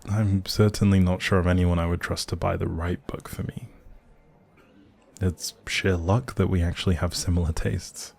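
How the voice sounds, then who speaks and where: A man's voice: low-pitched, level tone, normal speed, vocal fry, darkish tone. A man playing a grumpy but secretly sweet young barista in an intimate audio roleplay, speaking straight to the listener in a teasing, wry, bookish way. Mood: curious, chatty. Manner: teasing, wry, hesitant asides.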